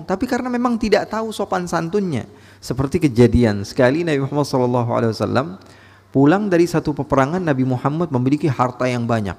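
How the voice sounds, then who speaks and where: A man preaching a sermon to a congregation, telling stories in a lively way and mixing casual slang with religious phrases. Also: mid-range voice. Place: large mosque. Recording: long reverb of a large mosque hall.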